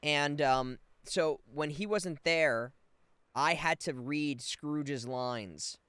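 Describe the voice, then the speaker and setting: Clear-voiced man streaming a game. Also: on the high side, extremely slow, fairly bright tone, no echo. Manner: playful, reactive, wry asides. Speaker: streamer and voice actor. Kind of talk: casual live game stream commentary.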